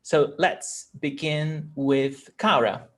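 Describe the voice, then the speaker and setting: A male language teacher explains things informally in short phrases. His pace is slow, with pauses, and his voice sits a bit high for a man. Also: fairly even intonation, fairly bright tone. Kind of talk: informal online lesson.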